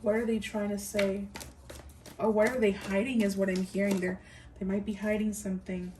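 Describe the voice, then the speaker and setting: A woman's voice: medium pitch, flat delivery, moderate pace, distant mic, very noisy. A woman giving a pick-a-card tarot reading, musing aloud, repeating her phrases and speaking straight to her viewers. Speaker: tarot reader.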